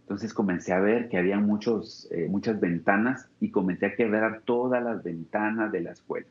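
A man's voice: lowish voice, moderate pace, echoey room. A young man with a Guatemalan Spanish accent giving an earnest, reflective personal testimony as an interview guest, often restarting his sentences. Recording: dull lo-fi sound.

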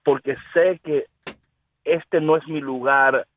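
A man's voice: on the high side, steady tone, slow pace, phone-quality sound, a little hiss or hum. A man from the United States, a pastor, talking earnestly in a faith interview and dropping English words into his speech. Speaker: pastor and guest.

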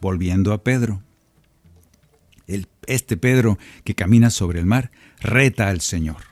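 A man's voice: on the low side, unhurried, no room sound. A man leading a prayer reflection, speaking earnestly and persuasively to the listener, as a Catholic singer-songwriter. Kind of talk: conversational preaching reflection. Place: home recording studio.

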